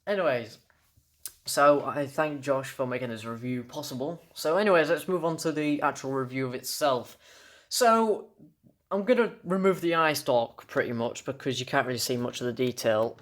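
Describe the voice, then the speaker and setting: A young man with a British accent giving a casual, unscripted video review of a collectible, halting and often stumbling over his words before correcting himself. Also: mid-range voice.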